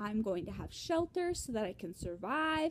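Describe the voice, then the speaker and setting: A woman speaks at a fairly slow pace with very wide pitch swings. Light background noise is present. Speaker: vlogger. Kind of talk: casual vlog chat. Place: home room. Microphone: phone near.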